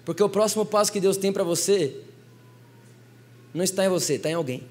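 High-voiced, fast Brazilian preacher man. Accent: Brazilian Portuguese. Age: young adult. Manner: animated storytelling, talking straight to the congregation. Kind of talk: sermon.

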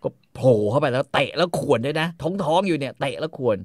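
A man casually retelling a story, crude and animated, acting out the characters. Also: mid-range voice, fast talker, no room sound, studio quality.

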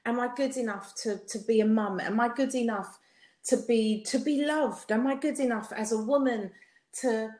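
Female podcast guest, South London accent, higher register, emphatic and repetitive for effect, very roomy sound. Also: normal speed, darkish tone. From South London, England. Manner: emphatic, rhetorical repetition, often seeks agreement. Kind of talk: personal testimony in a podcast conversation.

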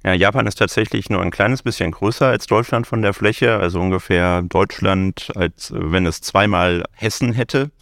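A man on a podcast panel explains facts, hesitating with fillers now and then. His voice is very deep with a gravelly fry. The sound is dry and close. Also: normal speed, few pauses, fairly bright tone, no room sound. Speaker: ministry country desk officer, panel guest.

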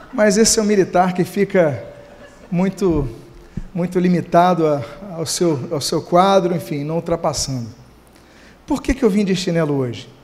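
A man's voice: high voice, darkish tone. A male pastor with a Brazilian Portuguese accent, giving a humorous, conversational sermon to his congregation in church.

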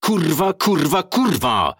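A husky-voiced man doing a hot-headed taxi driver who swears in sharp, frustrated bursts. The voice is low and gravelly-edged, set against a dry, close sound with no room around it. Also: animated, a little slow, no room sound. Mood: furious. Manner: cursing, frustrated outbursts. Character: short-tempered man driving a taxi, stuck in mud.

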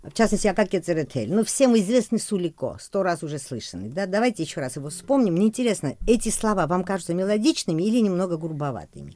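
Lively Georgian woman singer, radio chat. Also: on the low side, fast talker, few pauses. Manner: expressive, musing, laughs easily. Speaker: singer and songwriter, guest. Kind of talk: radio interview conversation.

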